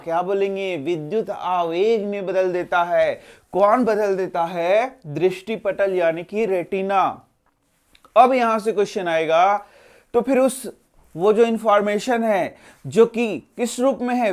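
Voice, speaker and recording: A male teacher running an exam-prep lesson, posing questions to the students, answering them himself and repeating each answer. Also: sits high. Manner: role-plays a tired student's interruptions.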